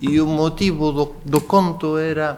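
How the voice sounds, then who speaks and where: The speaker has a Galician accent. Pitch variation is ordinary. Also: man. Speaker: regional government official. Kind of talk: conference speech. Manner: halting.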